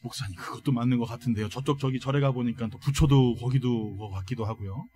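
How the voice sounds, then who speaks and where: A man preaching who voices a doubting male churchgoer in a lower, hesitant tone. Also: quick pace, dark tone, breathy edge, lightly acted. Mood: doubtful.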